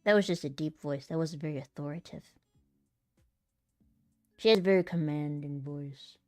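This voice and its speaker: A chatty woman with a small, light voice, laughing easily and poking fun at herself as she thinks out loud. Her voice sits a little low for a woman and sounds close and dry, with no room around it. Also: moderate pace, no room sound, faint music behind. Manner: giggly, chatty and self-deprecating, thinking out loud. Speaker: aspiring voice actor and content creator. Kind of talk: casual vlog talk while practicing voice lines.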